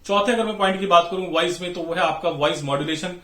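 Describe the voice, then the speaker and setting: Guy in his 30s doing a training talk, quick and high-ish voice, lots of you-knows, roomy echo. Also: bright, forceful tone. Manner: chatty, addresses viewers as friends, frequent "you know" fillers. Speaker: pharma sales trainer. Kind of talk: instructional talk to camera.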